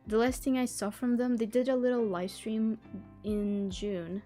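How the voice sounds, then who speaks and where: A livestream host who isn't a native English speaker chats casually and giggles frequently, stumbling as she reads a book blurb aloud. Her slightly high voice is warm and fairly even, delivered at a measured pace while soft music plays.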